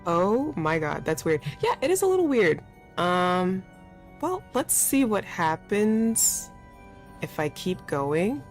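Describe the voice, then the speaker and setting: A woman with a low voice talks through a game at a slow, easy pace. She is informal and playful, thinking aloud as she plays, with faint music underneath. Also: sing-song. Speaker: streamer playing and reading aloud a visual novel. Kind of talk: casual let's play commentary with read-aloud game dialogue.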